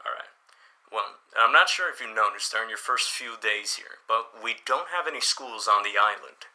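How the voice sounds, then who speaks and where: A man's voice: fairly low pitch, expressive, normal speed, sharp tone, heavily acted, low-quality recording. A man playing a helpful, easygoing small-town newspaper boss in an audio drama, chatty and encouraging as he explains things. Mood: friendly, explanatory. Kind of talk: audio drama dialogue, conversational.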